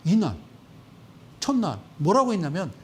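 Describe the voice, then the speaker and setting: Animated sarcastic male stock commentator. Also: high voice, moderate pace, slight background noise. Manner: animated, sarcastic, acts out quoted voices.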